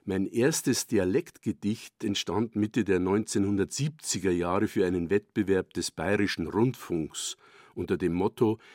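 An older man from Bavaria, a dialect poet, reading a scripted personal essay for radio in a calm, measured way. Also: low voice, dry recording, studio quality. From Bavaria, Germany.

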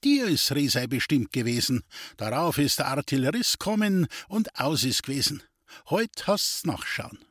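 A man's voice: on the high side, sing-song, moderate pace, a bit bright, no echo, clean studio sound, voice pushed up. A man voicing a sly, scheming male vagabond trickster in an audiobook, coaxing and insistent in dialect. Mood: wheedling. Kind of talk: audiobook character reading.

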